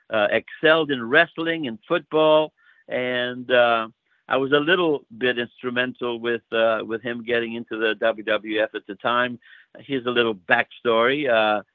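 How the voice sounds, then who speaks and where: Over a tinny phone line with no room sound, a mid-range male voice carries a Greek accent. He is an older wrestling promoter, warmly spinning stories in a relaxed interview and filling his speech with frequent fillers.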